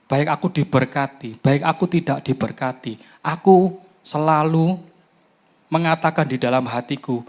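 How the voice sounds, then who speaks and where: An older man with an East Javanese accent preaching a sermon in a church, who shifts between loud fervent pleading and soft near-whispered prayer. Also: a little high, normal speed. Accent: Indonesian, East Javanese. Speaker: guest preacher. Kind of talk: emotional sermon with spoken prayer. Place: church hall.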